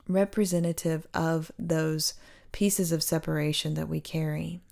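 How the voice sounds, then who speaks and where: A woman speaking as a meditation guide, giving gentle, hushed spiritual instruction with pauses. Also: on the low side, vocal fry. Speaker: meditation guide and sound healer.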